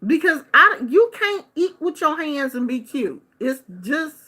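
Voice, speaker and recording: A middle-aged woman from the United States tells a casual story with a chatty, expressive delivery. Her voice sits a little high and sounds bright, and she takes her time. She slips into other people's voices when she quotes them. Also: a little slow. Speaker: vlogger. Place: Bay Area.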